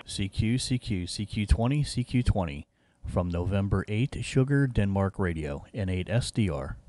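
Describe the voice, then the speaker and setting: Low-voiced male ham radio operator, faint hiss. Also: animated, moderate pace. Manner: repetitive phonetic call-sign delivery. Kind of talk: ham radio calls and casual contact.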